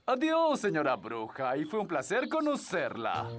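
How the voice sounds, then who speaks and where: A man voicing a courteous, smooth-talking, pompous fairy king in a Latin American Spanish cartoon dub. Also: a little high, measured pace, soft background music. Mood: flattering. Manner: pompous, flattering. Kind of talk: animated children's cartoon dub.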